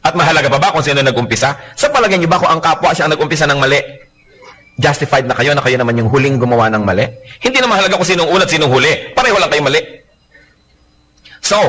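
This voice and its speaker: A man preaching a sermon as pastor, animated and joking as he explains. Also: fairly high pitch.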